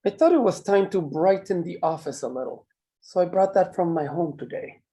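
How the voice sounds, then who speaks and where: A man acting a menacing mine boss in a drama table read, speaking in measured, condescending threats. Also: high voice, mellow. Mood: smug, taunting. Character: menacing, controlling male mine boss, coolly cruel.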